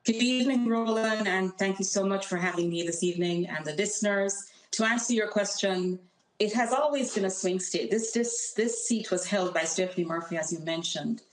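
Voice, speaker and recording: A congressional candidate with a Jamaican accent joins a remote call as a guest, talking earnestly and emphatically about her campaign. Her voice is medium-pitched at a normal speed. The call audio sounds rough, and the room is echoey.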